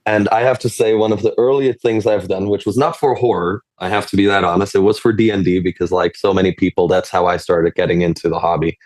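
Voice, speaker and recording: Male panelist, low-pitched, rambling and chatty, dry close sound. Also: fairly even intonation, fast, few pauses, darkish tone, dry recording. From Switzerland. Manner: rambling, self-interrupting, laughs often. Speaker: panelist, game designer. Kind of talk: casual panel discussion.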